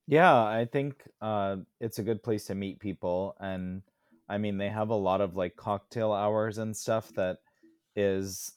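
A man's voice: lowish voice, a little slow, clean tone, no echo, clean studio sound. A man co-hosting a casual podcast, easygoing and restarting his sentences often. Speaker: podcast co-host.

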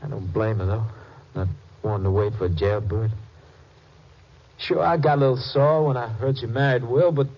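An actor playing a bitter, pleading American ex-convict in a 1950s western radio drama, with a folksy, defensive way of talking. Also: male voice, mid-range voice, fairly even intonation, moderate pace, close to an everyday voice. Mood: resigned. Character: bitter, pleading male ex-convict, wrongly accused. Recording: muffled old-time radio recording.

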